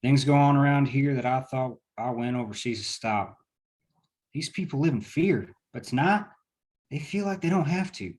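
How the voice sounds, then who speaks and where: Man as a resolute war veteran, medium pitch, earnest, firm, drama table read. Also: normal speed, darkish tone, natural voice. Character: resolute, steady war-veteran leader of miners.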